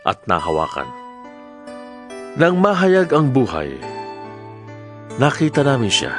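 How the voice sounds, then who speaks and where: A man with a Filipino accent giving a solemn, measured, declamatory dramatized reading of scripture as a Bible narrator. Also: mid-range voice. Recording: music bed under the voice. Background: background music.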